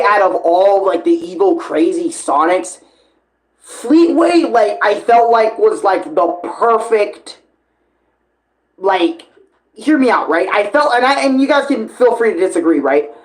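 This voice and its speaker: A man's voice: sits high, poor audio. A young man giving casual fan commentary as an online creator, rambling informally with hesitations, digressions and swearing.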